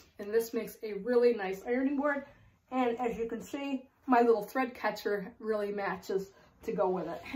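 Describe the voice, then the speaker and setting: Noticeable background noise behind a woman's fairly high voice, moderate in pace, with ordinary pitch variation. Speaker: sewing vlogger. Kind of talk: casual tutorial. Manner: chatty, friendly, with fillers.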